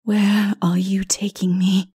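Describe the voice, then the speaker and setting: A woman voicing a tormented demon princess in a storybook, with anguished, pleading, drawn-out words. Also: mid-range voice, level tone, warm tone, breathy edge. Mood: dull, hollow. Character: vampiric demon princess, moaning and screaming in torment.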